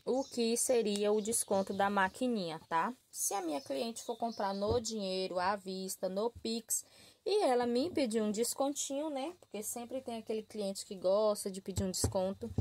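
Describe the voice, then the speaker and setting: A Brazilian woman hosting a crochet channel, talking casually to viewers in a chatty, friendly way with constant "tá?" and "né?" tags. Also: medium pitch. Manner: chatty, warm-hearted, addresses viewers as "gente", frequent "tá?" and "né?" tags. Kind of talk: casual tutorial talk to viewers. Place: small room at a work table. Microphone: camera filming her hands and table from above.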